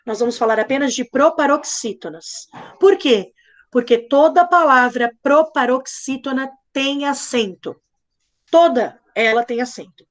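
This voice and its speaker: Young woman, high voice, playful and patient teacher spelling things out slowly for kids. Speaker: primary school teacher. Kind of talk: live online class lesson.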